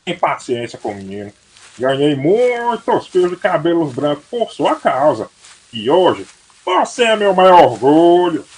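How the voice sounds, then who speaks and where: A man's voice: fairly high pitch, big pitch swings, a little slow, darkish tone, husky, heavily acted, poor audio. A man playing a fond, wise old father's ghost in an audio drama, colloquial and paternal. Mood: teasing, fond.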